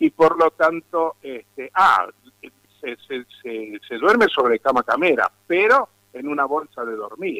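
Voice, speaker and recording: Very slowly, a man speaks in a bright, sharp tone at a fairly high pitch, with very wide pitch swings and big swings in loudness, the sound dry and close with no echo. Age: 80s+. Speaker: voice actor. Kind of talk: interview.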